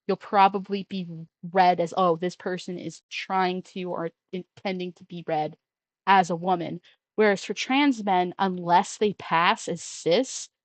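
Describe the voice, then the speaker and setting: A trans man hosting a casual call-in show, talking in a rambling way with many restarts and trailing off quietly. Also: high voice, dry recording, low-quality recording. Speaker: podcast host taking call-ins. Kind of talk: casual conversational chat.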